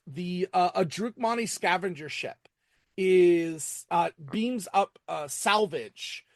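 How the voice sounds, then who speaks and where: A man with a slightly high voice talks through episodes as a podcast host. His delivery is conversational and halting, with repeated words. The sound is very dry, with no room echo. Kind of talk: casual episode recap and commentary.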